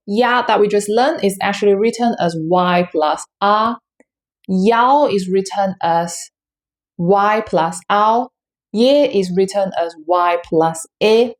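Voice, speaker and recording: A woman teaching Mandarin pronunciation in an online lesson, speaking careful, non-native English with small grammar slips and slowing down to demonstrate sounds. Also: mid-range voice, darkish tone.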